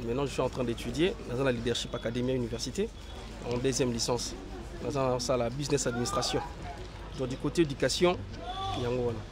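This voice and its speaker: Young man, hoarse from a cold, halting, lots of fillers, outdoor interview. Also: medium pitch, steady tone, background noise. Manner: hesitant, many fillers and restarts. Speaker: interview guest, actor. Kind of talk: casual interview, mixing French and Lingala.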